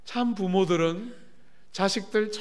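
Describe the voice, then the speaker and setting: Man preaching a revival sermon, middle-aged, fairly high voice, lively storytelling, asks the congregation questions. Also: unhurried. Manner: animated storytelling with asides to the congregation. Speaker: pastor. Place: church sanctuary.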